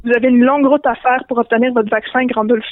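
A woman's voice: on the high side, fairly even intonation, fast, no room sound, natural voice. A woman doing a blunt, slangy Québécois innkeeper. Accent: Québécois French. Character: blunt sarcastic male innkeeper. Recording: dry narrow phone-line sound.

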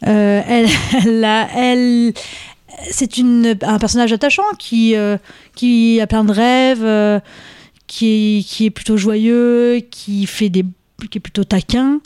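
A woman's voice: mid-range voice, darkish tone, clear, resonant tone, no room sound. A woman with a cold, slightly stuffy, speaking on a podcast panel. The recording is very dry and close. She rambles and keeps correcting herself mid-thought. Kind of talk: casual podcast chat.

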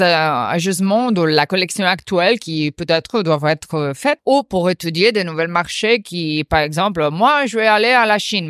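A woman's voice: on the low side, a bit bright, clear, resonant tone, dry recording, clean studio sound. A woman with a foreign accent in French, explaining her work in an interview and often searching for words as a non-native speaker. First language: not French. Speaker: company representative being interviewed.

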